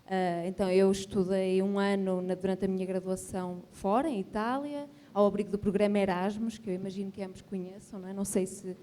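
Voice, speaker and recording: A woman's voice: medium pitch, fairly even intonation, fairly quick, hardly any pauses, mellow. A woman from Portugal with a European Portuguese accent, a professor speaking formally and reflectively from the audience at a panel. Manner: formal, reflective, with frequent tag questions. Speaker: graduate professor asking a question.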